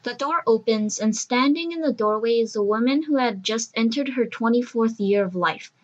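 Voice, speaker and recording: Higher-voiced woman narrating an audio drama. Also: moderate pace, lo-fi sound.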